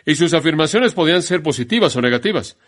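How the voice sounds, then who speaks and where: A man preaching a sermon in an emphatic way, slowing down to stress key phrases. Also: fairly high pitch, lively intonation, fairly bright tone.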